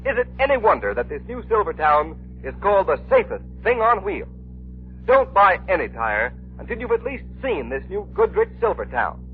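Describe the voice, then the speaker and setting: A man's voice: high-pitched, big pitch swings, moderate pace, a little hiss or hum. A man announcing and reading a persuasive commercial in 1930s radio style. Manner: persuasive, emphatic. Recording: tinny 1930s radio recording.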